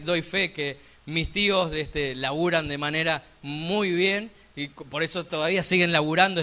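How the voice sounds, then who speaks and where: Bright high-voiced Argentine preacher. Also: male voice. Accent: Argentine Spanish. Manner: emphatic preaching with sudden loud, rising peaks and conversational asides. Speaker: pastor. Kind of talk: sermon. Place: church.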